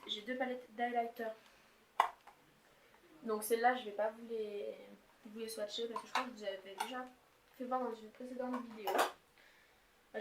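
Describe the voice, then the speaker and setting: Chatty young woman in an echoey room. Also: fairly high pitch. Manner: chatty, rambling, filler-heavy. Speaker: beauty vlogger. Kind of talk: casual makeup haul chat. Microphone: camera's built-in mic. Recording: echoey room, faint noise.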